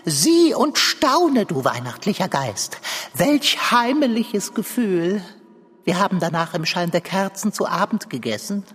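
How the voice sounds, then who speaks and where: A woman's voice: mid-range voice, sing-song, a little slow, husky. A woman voicing a fussy, bookish black tomcat who complains dramatically and gets airsick. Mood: delighted. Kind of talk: children's audio play narration in character.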